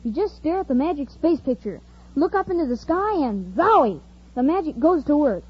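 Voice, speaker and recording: A woman's voice: high voice, big pitch swings, normal speed. A woman voicing an eager young boy in a 1950s radio cereal ad. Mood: excited. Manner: bright, eager, boyish. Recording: dull old radio broadcast.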